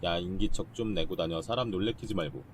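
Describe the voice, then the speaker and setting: Deep-voiced man streaming a game. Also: a little hiss or hum. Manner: chatty, quick reactions, banter with viewers. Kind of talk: casual let's-play commentary, reading game dialogue aloud.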